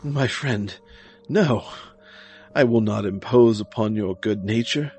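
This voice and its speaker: A man playing a scheming nobleman in a gothic story, flattering and politely feigning reluctance. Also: fairly low pitch, slow pace, slight background noise. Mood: slyly reluctant. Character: scheming nobleman, falsely courteous, flattering, slyly goading his friend. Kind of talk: dramatic gothic story reading.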